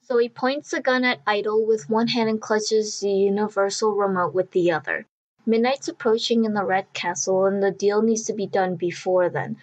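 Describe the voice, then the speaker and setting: A woman's voice: mid-range voice, steady tone, normal speed, low-quality recording. A woman reading scripted story narration for an audio drama.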